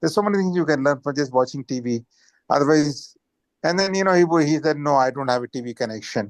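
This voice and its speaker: A man with a Telugu accent at a very fast pace, ordinary pitch variation, a dry, close sound with no echo and a quiet background. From Andhra Pradesh, India. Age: 60s. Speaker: volunteer mentor, retired executive. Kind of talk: casual chat. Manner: halting.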